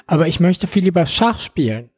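A man voicing a whiny nineteen-year-old country girl in a high, pleading falsetto. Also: sing-song, brisk, faint music behind.

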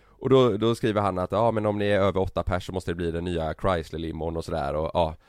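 A man's voice: deep voice, fairly even intonation, darkish tone, dry recording, studio quality. A man in his thirties, a podcast host, telling a long anecdote in casual chat, laughing and acting out quoted lines.

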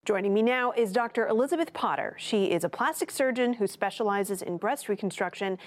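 A woman narrates a news report on health care. She explains each point clearly and evenly, in a voice of middling pitch. She also introduces and welcomes an interview guest. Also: lively intonation, fairly quick. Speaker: news correspondent.

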